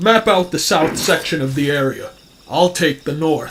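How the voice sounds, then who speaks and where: A put-on character voice at a middle pitch. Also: moderate pace. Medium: voice reel. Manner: calm, curious.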